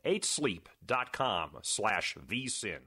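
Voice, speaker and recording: A man reading an advertisement, spelling out a web address slowly and deliberately. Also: on the low side, very animated, pushed and bright, husky. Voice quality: slow, deliberate spelled-out delivery. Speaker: ad announcer. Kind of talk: read advertisement.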